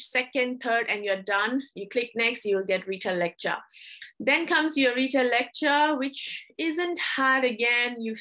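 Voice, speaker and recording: A young adult woman tutor explaining test changes in a casual, chatty way, often apologizing and filling pauses. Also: fairly high pitch, fairly bright tone. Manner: chatty, apologetic, with frequent fillers.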